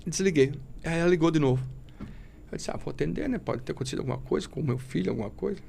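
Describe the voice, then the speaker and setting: A man's voice: a little high, racing, gravelly, a little mellow, a little hiss or hum. A man giving an emotional personal testimony as a podcast guest, speaking fervently and in a preachy way, often calling the listener brother.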